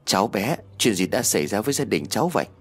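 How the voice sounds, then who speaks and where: A man voicing a kindly peasant villager who gently coaxes a grieving child. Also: fairly low pitch, big pitch swings, fast talker, slightly rough. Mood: coaxing. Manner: coaxing.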